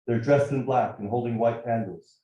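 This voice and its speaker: A man's voice: medium pitch, lo-fi sound, noisy background. Man reading reflective prose in echoey room. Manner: measured, reflective reading of first-person prose. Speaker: actor reading a writer's piece. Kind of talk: literary reading at a live event. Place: bar event space, indoors. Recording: very echoey room, faint music.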